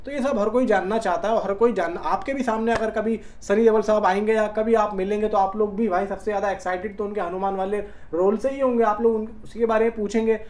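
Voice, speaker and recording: A man's voice: high voice, steady tone, fast talker, hardly any pauses, a little mellow, slight background noise. Chatty man hosting film updates. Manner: colloquial, chatty, addresses viewers as brother. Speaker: film news YouTuber and host. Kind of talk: casual film-update commentary to fans.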